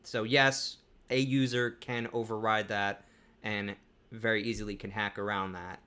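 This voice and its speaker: Bright, clear-voiced male co-host. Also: lowish voice, little pitch movement, measured pace. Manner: conversational, with frequent restarts and fillers. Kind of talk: live panel discussion.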